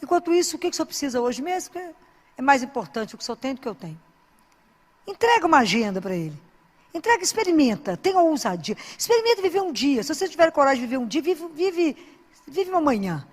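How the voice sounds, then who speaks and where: A woman's voice: high voice, big pitch swings, fast, big-room sound. A woman who is a Christian speaker and doctor, giving an informal sermon full of anecdotes in an earnest, exhorting, conversational way.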